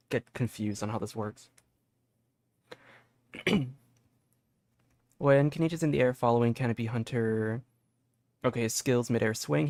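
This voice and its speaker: A man's voice: medium pitch, darkish tone, no echo. Casual male game streamer, dry close sound. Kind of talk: casual livestream gameplay chat. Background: faint game music.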